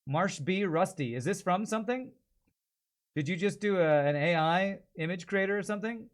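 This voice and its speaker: Guy streamer thinking out loud, kinda high voice, really up and down, casual self-critique. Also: expressive, moderate pace. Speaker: streamer and amateur voice actor. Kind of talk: casual livestream chat.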